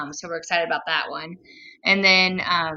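Bright and sharp in tone, a woman talks with a Northern US accent. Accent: Northern US accent, still noticeable. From Lansing, Michigan. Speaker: nonprofit chapter executive director. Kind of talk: casual interview.

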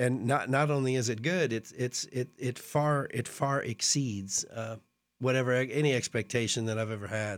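His pitch variation is ordinary and his pace moderate. This man has a plain, everyday voice at a medium pitch. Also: very clean recording, silent background. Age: 60s. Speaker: missionary. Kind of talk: radio talk show. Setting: studio.

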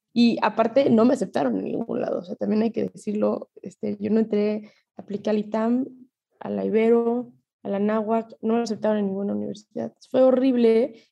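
A woman at a moderate pace, with a Mexican accent. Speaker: criminologist and nonprofit spokesperson. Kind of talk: casual interview. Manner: animated.

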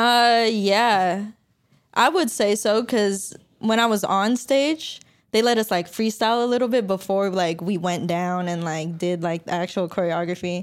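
A woman's ordinary speaking voice with an American accent, medium pitch, ordinary pitch variation and a fairly slow pace, in a very clean recording with a silent background. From Las Vegas, Nevada. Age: 20s. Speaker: dancer. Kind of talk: interview. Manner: laughs often.

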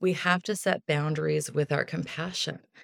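The recording is very clean with a silent background and has a dry, close sound with no echo. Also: woman. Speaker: wellness author and coach. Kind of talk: interview. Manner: laughs often.

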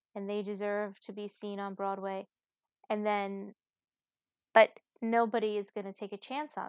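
A woman with a Brooklyn accent talks at a moderate pace and medium pitch, her monotone, flat intonation broken by long, frequent pauses and big swings in loudness against a quiet background. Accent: New York (Brooklyn). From Brooklyn, New York. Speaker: theater fan. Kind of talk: casual chat.

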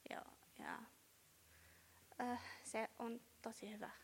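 A woman whispers at a very slow pace with an Arabic accent. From Syria. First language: Arabic (speaking Finnish). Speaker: accounting student. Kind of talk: panel conversation. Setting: chapel with audience. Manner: halting.

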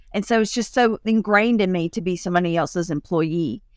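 A woman talks at a fairly quick pace with lively intonation in a dry, close sound with no echo, on a very clean recording with a silent background. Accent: Southern US. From US South, Georgia. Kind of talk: casual interview chat. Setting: call.

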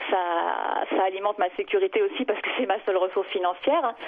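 A woman talks at a medium pitch and a moderate pace. Background noise is noticeable. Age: 40s. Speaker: caller, entrepreneur and mother. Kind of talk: phone-in conversation. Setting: phone call.

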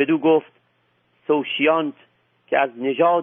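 A man speaks at a fairly slow pace. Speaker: religious historian and former professor. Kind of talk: scripted narration. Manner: formal.

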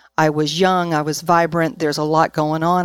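Here is a woman with an unremarkable speaking voice, fairly low in pitch and fairly even in intonation, talking at a fairly quick pace on a very clean recording with a silent background. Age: 60s. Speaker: counselor and minister. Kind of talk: interview.

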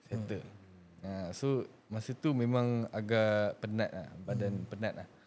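A man has an ordinary speaking voice with a fairly low pitch. He talks at a fairly slow pace with fairly even intonation. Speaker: singer. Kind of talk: casual chat.

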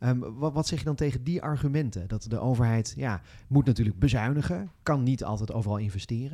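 Recorded very cleanly against a silent background, a man talks very fast at a medium pitch with a dark, mellow tone and ordinary pitch variation. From Emmen, Drenthe, Netherlands. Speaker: podcast host. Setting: studio.

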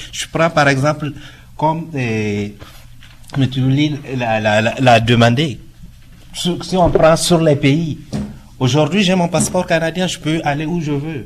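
His pitch is fairly high for a man, with ordinary variation. The man talks at a very slow pace, leaving long, frequent pauses. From Niger. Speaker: community center staff. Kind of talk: formal debate. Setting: live radio broadcast before an audience.

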